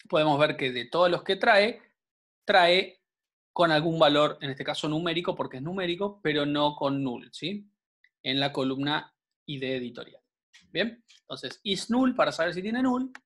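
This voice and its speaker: A man teaches a programming class online. He explains step by step and keeps checking whether the students follow. His voice sits a little higher than most men's. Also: fairly bright tone. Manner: patient, explanatory, frequent check-ins with students.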